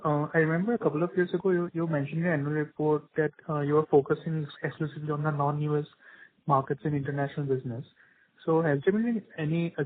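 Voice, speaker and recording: A polite male analyst speaks very quickly in a slightly high voice as he puts questions on an earnings call. The line is tinny, like a telephone. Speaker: analyst caller.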